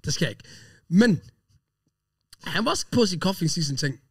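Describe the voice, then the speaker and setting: High-voiced man telling stories far off-mic. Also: slightly rough, no echo, clean studio sound. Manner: animated anecdote telling, laughs often. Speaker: podcast co-host. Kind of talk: casual storytelling chat.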